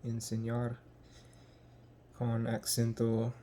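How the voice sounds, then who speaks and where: Young man, American accent, halting speech, monotone, faint room noise. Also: mid-range voice. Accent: American English. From United States. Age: young adult. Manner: halting, searching for words with many ums. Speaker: language learner. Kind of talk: casual vlog.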